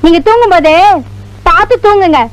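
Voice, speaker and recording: An actress playing the warden's young sister, teasing and playful in a film comedy. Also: female voice, very high-pitched, brisk, no echo, poor audio.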